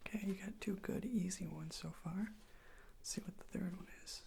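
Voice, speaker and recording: A breathy, whispered voice with a creaky edge plays an examiner in an ASMR role play. The delivery is gentle and reassuring, walking the listener through each step. There is faint noise behind the voice. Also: medium pitch, normal speed. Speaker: ASMR performer playing a medical examiner.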